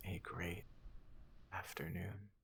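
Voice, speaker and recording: A man plays a kindly robot doctor in an ASMR roleplay, caring and polite with patients. The voice is a deep, breathy whisper that stays very even and unhurried, soothing and reassuring. Faint noise sits behind it. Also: exaggerated voice. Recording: noticeable background noise.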